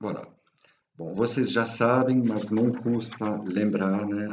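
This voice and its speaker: A man speaks at fairly low pitch with a dark, mellow tone. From French-speaking Switzerland. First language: French (speaking Portuguese). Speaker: tourism representative. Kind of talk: webinar presentation. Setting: online webinar. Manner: halting, frequent fillers and self-corrections.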